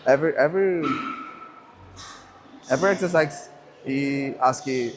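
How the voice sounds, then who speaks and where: Halting man with a Brazilian accent. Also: mid-range voice, background noise. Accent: Brazilian Portuguese. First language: Portuguese. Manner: halting, searching for words, many fillers and restarts. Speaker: athlete.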